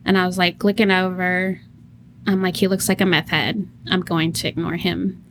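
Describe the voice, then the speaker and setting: A woman's voice: lowish voice, flat delivery, normal speed, background noise. A woman co-hosting a casual podcast, telling stories, laughing often and acting out what people said. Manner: storytelling, laughing often, acts out quotes. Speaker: podcast co-host.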